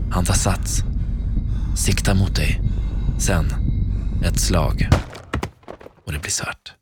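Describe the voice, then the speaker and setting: Deep-voiced man narrating a dramatic story. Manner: slow, hushed dramatic storytelling. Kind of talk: second-person scripted audio story narration. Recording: narration over clear background music. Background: music.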